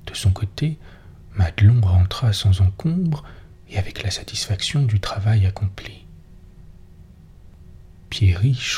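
A man in a whispered role-play, softly narrating an old folk tale. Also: lowish voice, slight background noise. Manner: soft whispered storytelling. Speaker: storyteller.

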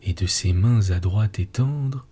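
A man reading a literary story aloud as narrator, measured and solemn. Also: on the low side, warm tone, soft background music.

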